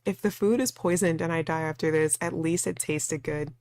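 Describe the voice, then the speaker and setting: A woman's voice: low-pitched, steady tone, normal speed, darkish tone, dry recording. Woman reading as a wry, wary game protagonist. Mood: wary, dry. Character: stubborn, wry, wary young protagonist narrating their ordeal. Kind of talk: visual novel narration read aloud.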